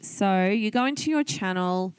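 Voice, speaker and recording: In a rough, dry recording, an Australian online business coach talks through a screen demonstration on video tips. She chats and thinks aloud, explaining each step informally, in an expressive, clean-toned, medium-pitched voice at a moderate pace.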